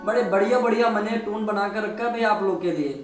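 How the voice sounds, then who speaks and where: A man's voice: sits high, fast. A man who plays keyboard, talking casually to viewers between demos and checking in with them again and again. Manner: chatty, repeatedly checks in with listeners. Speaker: keyboard player and music teacher. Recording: echoey room, distant mic, keyboard music behind. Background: keyboard music.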